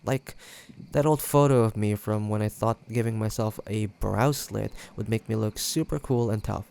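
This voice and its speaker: A man acting a playful, teasing young ex-boyfriend in an intimate roleplay audio drama, talking casually with hesitant pauses and a creaky edge. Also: fairly low pitch, a little mellow.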